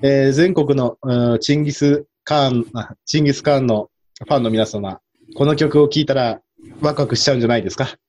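A man co-hosting a casual podcast chat, joking and animated, sometimes acting out rude voices. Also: mid-range voice, brisk. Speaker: podcast co-host.

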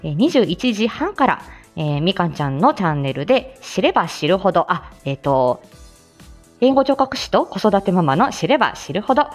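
A woman's voice: mid-range voice, sing-song, normal speed, soft background music. A woman who works as a speech-language therapist, chatting casually on her own live stream, full of fillers and little laughs.

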